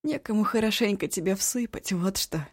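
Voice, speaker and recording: A woman voicing a weary, hot-tempered grown woman who snaps shrilly, then softens. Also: medium pitch, lively intonation, normal speed, voice pushed up. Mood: soft bitter.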